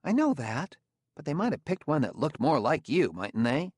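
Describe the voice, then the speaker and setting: A male narrator acts out a fretful, aggrieved spacer in a science fiction story. The voice sits well above his natural pitch and jumps around with flustered, defensive pleading. It is recorded very dry and close. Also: big pitch swings, normal speed, darkish tone, husky, dry recording. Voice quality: squeaky when agitated. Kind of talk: audiobook character dialogue.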